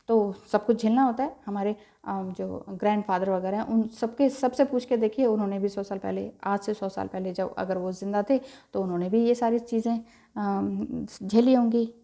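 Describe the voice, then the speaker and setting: A woman giving a gentle, reassuring tarot reading and mixing in English phrases. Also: a little high. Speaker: tarot reader.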